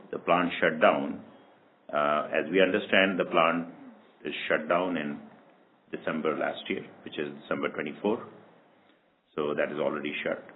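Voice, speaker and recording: Deep-voiced man on a muffled call. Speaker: company executive answering analysts. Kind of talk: earnings call answers. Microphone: conference call line. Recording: muffled lo-fi call, background noise.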